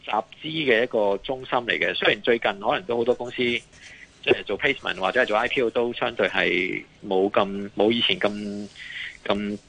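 A man's voice: fairly low pitch, fairly quick, vocal fry, a bit bright, low-quality recording. A man with a Hong Kong accent giving live market commentary as a guest analyst, hesitating, repeating phrases and mixing in English terms.

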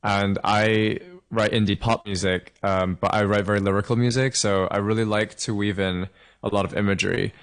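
A man's voice: fairly low pitch, steady tone, moderate pace. A young man from Hong Kong, a singer-songwriter, chatting upbeat and friendly as a guest in an interview, laughing now and then. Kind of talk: casual interview over a call.

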